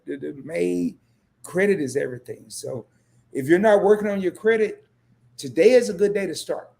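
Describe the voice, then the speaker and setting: A hoarse man who has nearly lost his voice, chatting on a livestream as a co-host and turning rousing and emphatic, repeating himself as he gets worked up. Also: fairly high pitch, a little mellow. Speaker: fellow credit YouTuber and co-host. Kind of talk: casual livestream chat.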